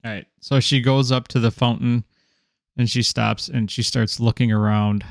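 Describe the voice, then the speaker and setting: A man narrating a tabletop game as game master, halting with fillers and chuckles. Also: mid-range voice, fairly even intonation, vocal fry, no echo, clean studio sound.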